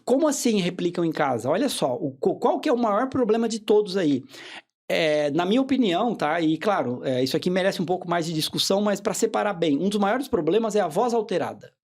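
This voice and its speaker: A man, a hypnotherapist guest on a podcast interview, explaining in a calm, teaching way and often checking in with short tag questions. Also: high voice, brisk.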